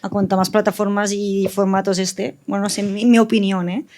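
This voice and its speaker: A woman's voice: medium pitch, level tone, fairly quick, a little mellow. A woman speaking informally as a panelist in a casual discussion, tentative and often correcting herself as she explains her work. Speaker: audio fiction writer and panelist.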